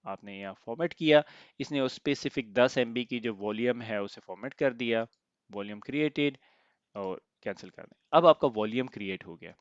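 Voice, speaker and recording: A man teaching an IT lesson step by step, pausing often to check in, his throat slightly sore. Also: mid-range voice, no room sound, dull audio. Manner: explains step by step, often asks "theek hai?". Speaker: IT instructor. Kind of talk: screen-recorded software tutorial.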